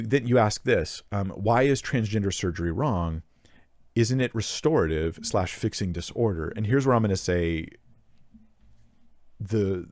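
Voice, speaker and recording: A young man with a low voice speaks close to the microphone in a dry, dead room. He answers a listener's question earnestly, pressing his points with emphasis and stopping to restart his sentences. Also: a little mellow, no echo. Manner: earnest, emphatic, thinks aloud with restarts and fillers. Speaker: Bible Q&A host.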